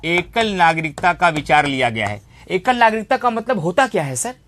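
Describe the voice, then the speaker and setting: High-voiced man teaching emphatically. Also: big pitch swings, normal speed, fairly bright tone, a little hiss or hum. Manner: emphatic, repeats phrases for drilling, rhetorical questions. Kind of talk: online exam-coaching lecture on civics.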